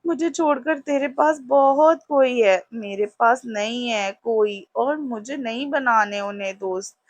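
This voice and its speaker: A woman's voice: a little high, a little slow, no echo, highs cut off. A woman voicing a jealous, possessive young female college friend who sulks and accuses, with faint music behind. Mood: hurt. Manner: sulking, accusing, clingy.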